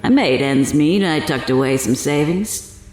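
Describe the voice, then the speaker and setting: Sly older fortune teller killer, lowish voice, drawly and taunting, bit echoey, audio drama. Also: female voice, expressive, unhurried, darkish tone, soft background music. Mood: sly, matter-of-fact.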